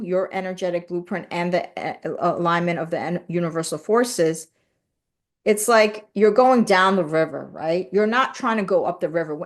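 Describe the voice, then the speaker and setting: A middle-aged woman, born in South Korea and raised in the US, hosts a live stream in casual, earnest chat. She reads out viewer comments and often adds "you know" and "right?". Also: on the low side. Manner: lively when thanking viewers.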